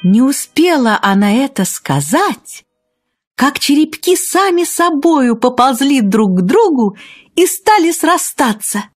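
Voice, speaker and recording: A woman narrating a children's fairy tale from a script, expressive and husky. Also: sits high, takes it slowly, no room sound, clean studio sound, faint music behind. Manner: expressive storytelling.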